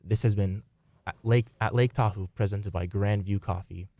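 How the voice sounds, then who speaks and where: A man's voice: lowish voice, fairly even intonation, moderate pace, mellow, no echo. A man reading scripted story narration as the narrator of a radio play.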